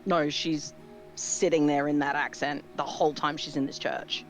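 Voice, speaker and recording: A woman's voice: low voice, level tone, normal speed, soft background music. A woman talking casually as a player in a tabletop roleplaying game.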